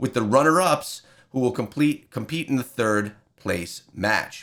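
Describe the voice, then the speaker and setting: This man talks at a moderate pace with a medium pitch and lively intonation. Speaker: gaming content creator. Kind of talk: game news commentary. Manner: halting, self-correcting.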